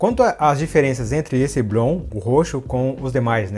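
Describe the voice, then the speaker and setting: Noticeable background noise can be heard. Over it, the speaking goes at a fairly quick pace with ordinary pitch variation. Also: man. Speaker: headphone reviewer. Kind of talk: product review. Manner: louder, more energetic delivery after re-recording; hesitant, many fillers.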